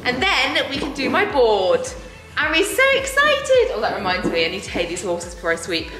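A woman's voice: a little high, wildly swooping pitch, moderate pace, bright, forceful tone, faint music behind, low-quality recording. A young woman chatting casually in a horse barn, bubbly and full of fillers, filmed close on a handheld camera. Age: young adult. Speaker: horse rider vlogger. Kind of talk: casual vlog chat.

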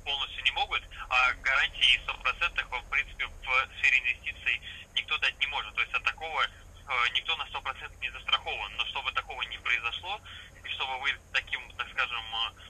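A man giving a formal, patient phone sales pitch as an investment salesman, heard through a phone speaker in a vehicle. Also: fairly even intonation, brisk, bright, forceful tone, slight background noise, poor audio. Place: phone speaker inside a parked vehicle cab.

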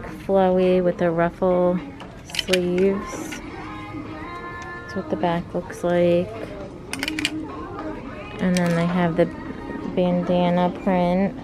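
This young woman, a fashion vlogger, films herself browsing a clothing store and chats casually, leaning heavily on "like" as filler. Her lowish voice stays monotone, moving slowly with frequent pauses. The handheld phone recording picks up crowd noise, and background music plays over her speech.

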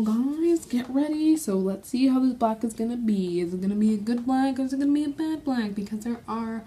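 A young woman swatching a makeup palette in a casual vlog, gushing with gasps and exclamations. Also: fairly high pitch. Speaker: beauty vlogger.

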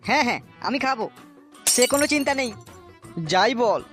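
A man's voice: very high-pitched, lively intonation, fairly quick, fairly bright tone, soft background music. A man voicing a rowdy, teasing, crude village boozer in a cartoon comedy.

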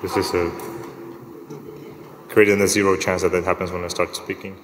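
Man giving a bright, reverberant tech talk. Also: sits low, a little fast, a little hiss or hum. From Finland. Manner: relaxed, lightly joking, asks the audience show-of-hands questions. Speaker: conference speaker. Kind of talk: technical conference talk. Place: large conference hall stage. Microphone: lectern microphone. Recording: long hall reverb, from the lectern mic.

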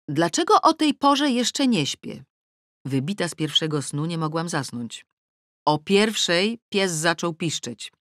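A middle-aged woman reading a first-person novel aloud in a studio, with lively, ironic storytelling. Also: low-pitched, no room sound. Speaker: audiobook narrator. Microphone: close studio mic.

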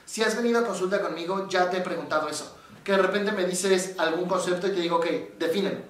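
Mexican male psychologist, casual animated explainer, high voice, roomy echo, off-mic. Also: fast talker, recorded from a distance. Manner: animated storyteller, acts out quoted voices. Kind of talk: casual explanatory talk to camera. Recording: very echoey room, voice from off the mic.

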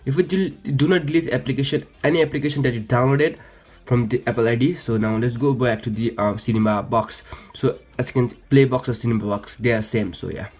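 A man's voice: mid-range voice, brisk, darkish tone. A man hosting a casual phone how-to, stumbling and repeating his phrases as he goes. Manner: hesitant, repetitive phrasing with frequent stumbles. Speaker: tech tutorial host. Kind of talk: casual how-to screen demonstration. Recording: music behind, some background noise.

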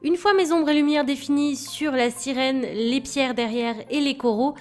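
A woman's voice: high-pitched, normal speed, a little mellow. A woman with a cold and a stuffy nose, chatting casually and hesitantly through a speedpaint voice-over as a digital illustrator. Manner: chatty and hesitant, many fillers and restarts. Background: faint background music.

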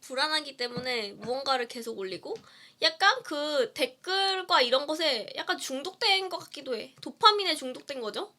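Giggly woman streaming and eating, bright high voice, chatting with viewers. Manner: playful, giggly, answers viewer comments. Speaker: indie singer live-streaming. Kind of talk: casual livestream chat while eating.

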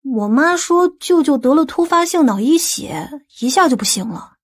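Woman acting upset employee girl in an audiobook, high plaintive voice, pleading. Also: expressive, moderate pace. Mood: upset, puzzled. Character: distressed, pleading young female employee in a novel.

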